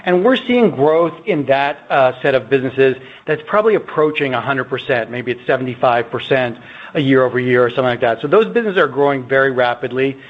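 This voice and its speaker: A man speaking as a company executive, answering on an earnings call in a measured, explanatory way. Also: mid-range voice. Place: conference call line. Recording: dull, muffled conference call audio.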